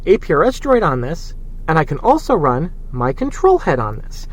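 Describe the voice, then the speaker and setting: Tech video creator, male with a high voice. Conversational, keen, informal project walkthrough. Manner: enthusiastic, conversational. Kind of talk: casual project demo and update to viewers.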